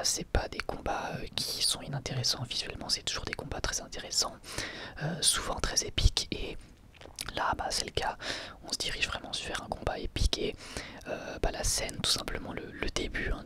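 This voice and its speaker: A man's voice: mid-range voice, pushed and bright. A man whispering an ASMR review in French, hesitant and thinking aloud as he goes. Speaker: host reviewing an anime episode.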